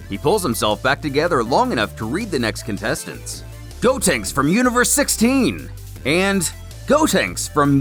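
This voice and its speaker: A man delivers scripted recap narration with a theatrical storyteller's flair. His voice sits on the high side and swings very widely in pitch, over a music bed. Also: a bit bright. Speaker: narrator of a comic recap series.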